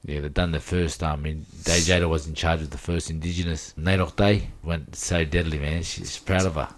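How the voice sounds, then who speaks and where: A middle-aged man with a low, deep voice and an Aboriginal Australian accent. He talks in a relaxed conversational way, full of slang, and often circles back to repeat a phrase. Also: normal speed. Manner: slangy, repeats himself, says "bro" and "you know". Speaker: interview guest. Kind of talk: casual chat.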